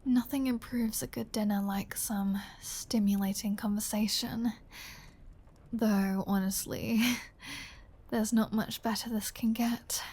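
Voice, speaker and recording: A woman playing a flirty, predatory vampire in an intimate ASMR roleplay, teasing and dominant, often dropping into a breathy whisper. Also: mid-range voice, fairly even intonation, slow, dark tone. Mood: pleased, seductive. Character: flirty, predatory female vampire toying with a hunter.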